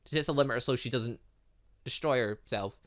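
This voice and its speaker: A man's voice: mid-range voice, normal speed, a bit bright. A man doing let's play commentary on a visual novel, reacting aloud and rambling off into asides. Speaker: gaming YouTuber reading a visual novel aloud.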